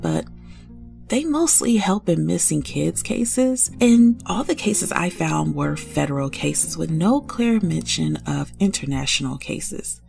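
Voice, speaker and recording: Deep and gravelly, with a darkish tone, this woman's voice belongs to a true-crime podcast host. She works through a case in a conversational manner, thinking out loud and drifting into lots of asides.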